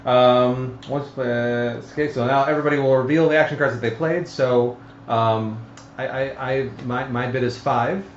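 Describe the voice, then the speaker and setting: A man explaining board game rules casually and haltingly as a co-host of a stream. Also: medium pitch, steady tone. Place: indoor room at a game table. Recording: echoey room, muffled lo-fi, faint noise.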